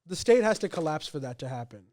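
A man's voice: a little high, sing-song, fast talker, a little mellow, dry recording, clean studio sound. A man from Pakistan whose first language is Urdu, co-hosting a podcast and explaining things in a casual, talkative way. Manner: explanatory, speaks in long informal runs with fillers. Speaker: podcast co-host.

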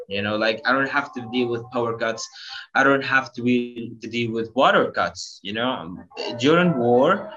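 A man in his twenties from Gaza, Palestine, giving earnest personal testimony in an interview, filling his speech with "like" and "you know". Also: medium pitch. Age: 20s. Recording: slightly dull audio with clear background noise.

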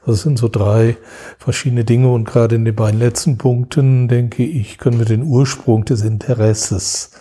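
A man's voice: medium pitch, steady tone, moderate pace, warm tone, slightly rough. A man speaking as an expert guest in an interview, explaining history in a lecturing way, often restarting and searching for words. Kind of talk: academic interview talk.

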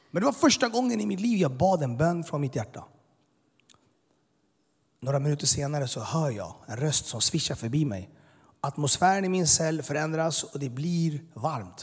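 A slightly high, husky male voice, caught with a long hall reverb. He tells his personal testimony with earnest intensity, pressing through his story in plain, unpolished words. He is a man in his thirties. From immigrated to Sweden as a boy. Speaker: speaker giving his testimony.

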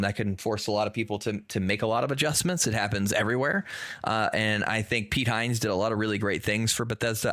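A hoarse man co-hosting a gaming podcast, his voice worn out from being sick. He talks in a rambling, filler-heavy way, his tone low-set but bright and forceful. The sound is dry and close. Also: dry recording. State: hoarse, losing his voice from illness. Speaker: podcast co-host. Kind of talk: casual gaming podcast chat.

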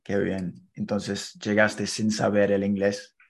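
A man's voice: on the low side, monotone, slow. A man from England with an English accent, a native English speaker, hosting a casual podcast interview. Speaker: podcast host.

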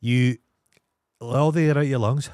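A man's voice: medium pitch, fairly even intonation, normal speed, a little mellow, clean tone, dry recording, clean studio sound. A Scottish man co-hosting a podcast, chatting in a blunt, sweary, mocking way. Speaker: podcast co-host. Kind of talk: casual comedic chat.

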